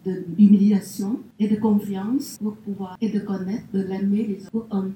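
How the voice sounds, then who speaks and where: Older audience woman, non-native speaker, very dark warm voice, halting delivery, distant and roomy. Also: mid-range voice, little pitch movement. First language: not French. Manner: hesitant, searching for words. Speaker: audience member. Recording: echoey hall, distant mic, faint noise.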